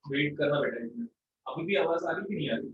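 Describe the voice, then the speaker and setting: A man teaching in a fairly high voice, with his words bouncing back in a heavy canyon-like echo. He sounds distant from a studio mic, with faint noise underneath. He talks in a straight, firm and blunt way. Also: lively intonation, fast talker, narrow, tinny audio. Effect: heavy echo, as if shouting in a canyon. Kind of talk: live online electronics class.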